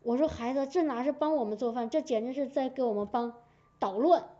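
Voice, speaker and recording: High-voiced woman preaching a sermon. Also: brisk. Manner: lively storytelling with frequent "明白我的意思吧" asides. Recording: dull lo-fi recording.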